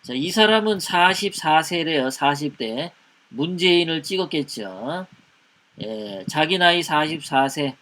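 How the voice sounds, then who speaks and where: A man's voice: a little high, lively intonation, measured pace, sharp tone. A man a hosting a live political commentary show, reading out viewer comments many hesitant fillers.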